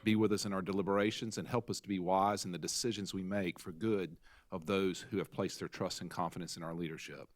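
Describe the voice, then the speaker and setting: Man, very deep voice, solemn and measured, dry close sound. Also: fairly even intonation, dry recording. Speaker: board member leading prayer. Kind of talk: formal prayer and motions.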